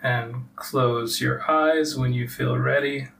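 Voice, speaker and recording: A man leading a guided relaxation meditation as a teacher, giving soft instructions with long pauses. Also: mid-range voice, steady tone, vocal fry. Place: live group meditation session. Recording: distant mic with faint background noise.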